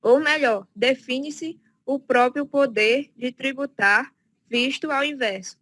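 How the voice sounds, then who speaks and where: A woman reading a legal text aloud in a lesson, haltingly and stumbling over words. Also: sits high, a bit bright, no room sound.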